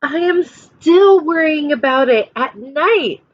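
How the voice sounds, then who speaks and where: Woman, high-pitched voice, expressive storybook read-aloud, teacherly asides and questions, dry slightly dull recording. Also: slow, dry recording. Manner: expressive, addresses young listeners with questions. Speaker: teacher reading a picture book aloud.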